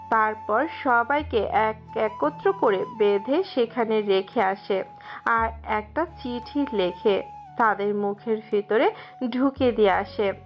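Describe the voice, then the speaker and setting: A woman narrating a dramatic story with a steady storytelling delivery. Her voice sits a little high, and the recording is dull and lo-fi with faint music behind her. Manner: steady storytelling, occasional slips.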